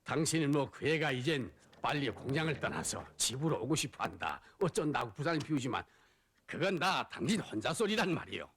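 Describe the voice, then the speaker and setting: A man with a North Korean accent acting a hearty middle-aged father in a film drama, animated and chiding. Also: medium pitch, fairly quick, a little hiss or hum. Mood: proud, chiding.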